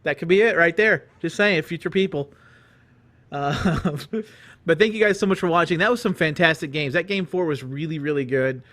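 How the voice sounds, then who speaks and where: A man with a somewhat high voice casts an esports qualifier, reading placements and then rambling through recaps. He jokes, restarts his sentences and keeps things loose and chatty. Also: normal speed, a bit bright. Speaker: esports caster. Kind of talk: casual esports commentary.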